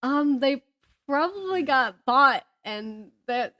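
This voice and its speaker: High-voiced woman telling casual stories. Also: takes it slowly. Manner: animated storyteller who acts out reported dialogue and jokes at herself. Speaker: podcast co-host. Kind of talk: casual chat, storytelling.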